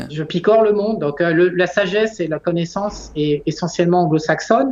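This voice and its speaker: Here a man talks at a fairly quick pace with a high pitch. His pitch variation is ordinary. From France. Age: 40s. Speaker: investor, youtuber. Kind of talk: interview. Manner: halting.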